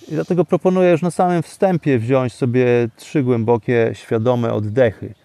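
Mellow-voiced man guiding a slow breathing meditation. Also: medium pitch, fairly even intonation, no room sound. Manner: slow, deliberate, soothing instruction with pauses. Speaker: podcast host and meditation guide. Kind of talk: guided breathing meditation talk. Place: outdoors, sitting in a forest among bamboo. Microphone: microphone exposed to wind. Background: birdsong.

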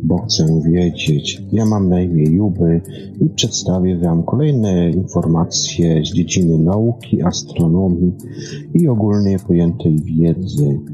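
Deep, dark-voiced man reading haltingly. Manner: halting reading with stumbles and repeated words. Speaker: host of a science programme. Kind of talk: scripted narration, science programme. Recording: dull lo-fi sound. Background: music.

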